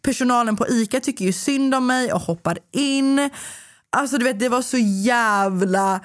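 A young woman hosts a podcast and tells a long story in lively, casual chat. She swears freely and acts out the other people's lines as she goes. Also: on the high side. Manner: animated, swearing, acts out dialogue. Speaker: podcast host.

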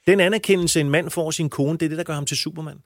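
A man's voice: on the high side, steady tone, no echo, studio quality. Blunt, crude-talking male coach. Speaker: men's coach. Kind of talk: interview answers.

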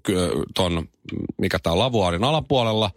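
A man in his thirties hosts a morning radio show with a lowish voice that rises and falls a lot as he tells stories. The sound is close and dry, with no room around it. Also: no room sound. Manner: animated storyteller. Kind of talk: radio news and banter.

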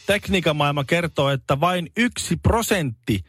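A man's voice: a little high, expressive, a bit bright, breathy edge, dry recording, faint music behind. A man co-hosting a radio morning show, reading news bits and chatting, with dry teasing asides. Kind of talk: casual comedic chat.

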